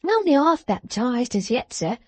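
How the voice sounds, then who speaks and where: A woman reading an audiobook, voicing a shy, humble working mother who answers softly and politely. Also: a little high, very animated, measured pace, breathy edge, dry recording, heavily acted. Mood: meek. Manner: meek, deferential, soft.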